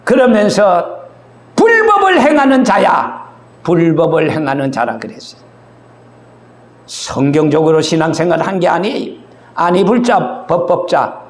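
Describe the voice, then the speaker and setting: High, lively preaching man in an echoey church. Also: normal speed. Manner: emphatic, dramatic, swinging loud and soft. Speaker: pastor. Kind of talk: sermon.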